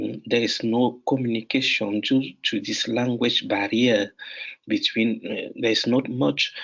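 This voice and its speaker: The man speaks in a French accent. His pace is fairly slow. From Cameroon. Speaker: researcher. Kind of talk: conference talk. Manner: halting, many fillers and repetitions.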